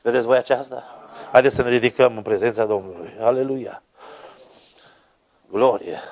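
A man preaching a fervent sermon, dropping to low quiet words and then climbing to high, ringing exclamations. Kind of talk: Pentecostal sermon.

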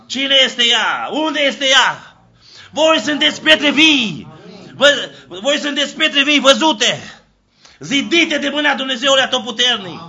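A man preaching a fiery sermon, shouting exclamations of praise and asking questions he answers himself, dropping now and then into low, quiet passages. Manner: shouting exclamations of Hallelujah, call-and-response questions. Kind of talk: fiery Pentecostal-style sermon.

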